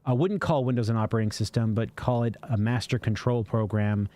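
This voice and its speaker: This co-host on a laid-back livestream has a warm, medium-pitched voice that stays steady and moves a little fast. Captured dry through a studio mic, he reads out super chats and rambles through answers to viewers, filling gaps with lots of filler words.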